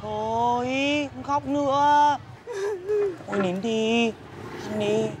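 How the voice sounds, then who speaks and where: A bossy market woman, nagging her friend in a high voice. Street noise can be heard behind her. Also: slow pace. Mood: scolding. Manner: bossy, scolding. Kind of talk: TV drama acting.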